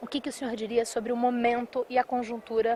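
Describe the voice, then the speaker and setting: A woman's high-pitched voice, fairly quick in pace, with fairly even intonation. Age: young. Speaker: TV interviewer. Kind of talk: interview. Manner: formal.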